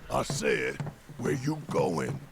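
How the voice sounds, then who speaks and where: An actor playing a gruff, fiery but big-hearted rebel leader and worried father in a video game. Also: mid-range voice, huge pitch swings, takes it slowly, heavily acted. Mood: gruff, urgent. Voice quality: gruff, gravelly. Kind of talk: dramatic video game voice acting. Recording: game audio with clear background noise.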